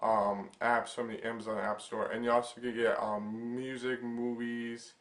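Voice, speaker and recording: A young man talks through a gadget overview for his channel, his voice stuffy from a lingering cold. He rambles with lots of fillers and restarts, and his pitch stays flat and level throughout. The room around him sounds echoey. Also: normal speed. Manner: rambling, filler-heavy, hesitant. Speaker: tech channel host. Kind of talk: casual product overview vlog.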